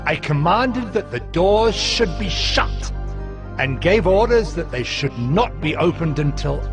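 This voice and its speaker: Stern devout old-testament governor, dramatic scripture telling, really animated delivery, music behind him. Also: male voice, fairly high pitch. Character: stern, zealous male governor of ancient Judah, devout.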